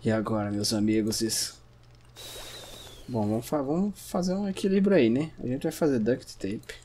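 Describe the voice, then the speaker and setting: Chatty Brazilian gamer talking to himself. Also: male voice, mid-range voice, animated, normal speed, a little hiss or hum. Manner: chatty, talks to himself and the audience, bursts into shouts at scares. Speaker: gameplay streamer. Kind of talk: casual gameplay commentary.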